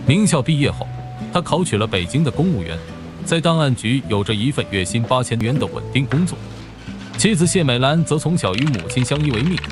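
A man narrating a drama recap in a scripted storytelling style. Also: medium pitch. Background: background music.

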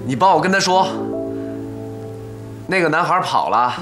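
A man's voice: on the high side, expressive, moderate pace, lightly acted. An actor playing a young army colonel at the front, restrained and longing for his sweetheart, in a war drama. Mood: halting, wistful. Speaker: army officer. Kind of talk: war television drama acting. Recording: music over the dialogue. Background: background music.

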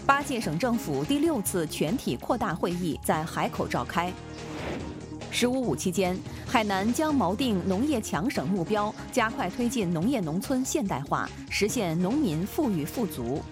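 A woman delivering scripted news narration in a formal, precisely enunciated broadcast manner. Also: medium pitch.

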